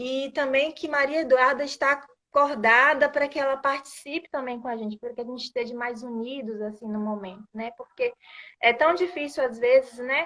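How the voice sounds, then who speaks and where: With a bright, sharp tone and high pitch, a woman speaks at a moderate pace, her pitch varying ordinarily and her loudness swinging widely. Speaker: Sunday school teacher. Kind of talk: Bible class talk on video stream.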